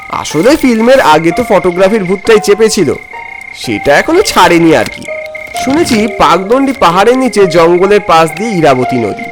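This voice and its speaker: Animated male storyteller, music behind. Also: high-pitched, poor audio. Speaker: narrator and voice actor of an animated horror story. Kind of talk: dramatic first-person story narration.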